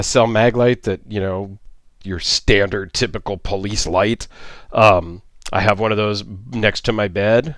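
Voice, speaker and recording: A middle-aged man talks through a gear review in a friendly, rambling way, full of fillers and restarts. His pitch is average for a man. The sound is dry and close, with no room echo. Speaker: YouTube reviewer. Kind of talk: casual product review.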